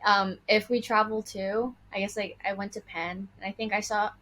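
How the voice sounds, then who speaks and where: A woman's voice: medium pitch, steady tone, a bit bright. A young woman who grew up in Hong Kong and mainland China, a guest speaking in an upbeat, casual way. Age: young adult. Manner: upbeat, laughs lightly, quick asides. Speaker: guest, college swimmer. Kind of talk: casual interview.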